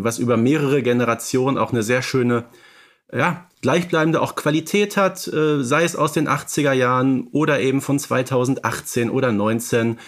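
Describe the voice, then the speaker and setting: A man with an average-pitched voice co-hosts a casual discussion. He speaks appreciatively, with hesitant, searching phrasing. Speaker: podcast co-host.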